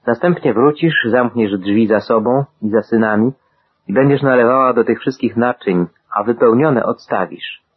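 A man voicing a male prophet who gives calm, solemn commands, in a husky voice with a measured reading manner, over a tinny radio-like sound. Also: mid-range voice, no echo, lightly acted.

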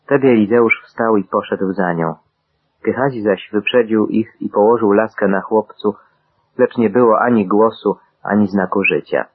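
A man giving a steady, measured Bible reading, voicing the quoted dialogue in the same even manner. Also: lowish voice, breathy edge, narrow, tinny audio. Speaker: scripture reader.

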